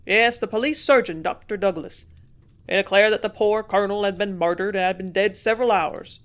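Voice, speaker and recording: A gossiping country innkeeper from a storybook, loud and excited as he spills the news, played by a woman reader. He speaks with eager, raised energy and a chatty flow. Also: mid-range voice, fairly quick, natural voice. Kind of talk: audiobook character voice.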